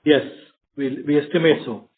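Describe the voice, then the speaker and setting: A man's voice: on the high side, normal speed. A man giving short answers as a company executive on an earnings call. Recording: narrow tinny phone-line audio.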